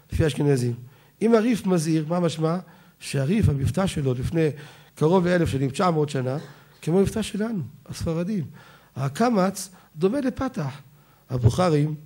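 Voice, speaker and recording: A man with an Israeli Sephardi accent, a rabbi giving an animated Torah lecture who quotes his sources and slows down to spell out how words are pronounced. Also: fairly high pitch. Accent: Israeli Sephardi Hebrew.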